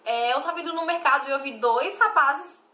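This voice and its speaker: A young woman from Bahia with a softened Bahian accent, telling her life story to viewers in a confiding, emotional vlog. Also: high voice, fairly quick, roomy sound. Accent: softened Bahian Portuguese. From Bahia, Brazil. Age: young adult. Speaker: vlogger.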